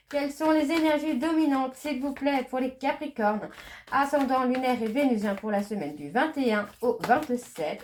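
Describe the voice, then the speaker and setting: A woman's voice: high voice, a little hiss or hum. Chatty French-speaking woman reading cards. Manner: chatty and hesitant, many fillers and restarts. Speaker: medium doing a tarot reading. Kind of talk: casual spoken card reading.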